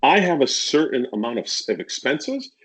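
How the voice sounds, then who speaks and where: A man talking candidly as a guest on a casual podcast, acting out sales pitches as he tells stories. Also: huge pitch swings, moderate pace, fairly bright tone, breathy edge. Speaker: podcast guest, real estate agent.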